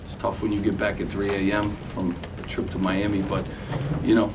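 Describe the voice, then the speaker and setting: A middle-aged man, a head basketball coach, answering questions at a postgame press conference, halting with many fillers and restarts. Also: lowish voice, monotone. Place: press conference room, seated at table. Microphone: table mic, camera from afar. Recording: distant mic with background noise.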